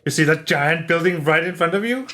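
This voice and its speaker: A man's voice: a little high, a little fast, pushed and bright, slight background noise. A man new to a game, chatting casually on a stream and asking a lot of questions. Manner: curious, asks many questions. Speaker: new player being coached.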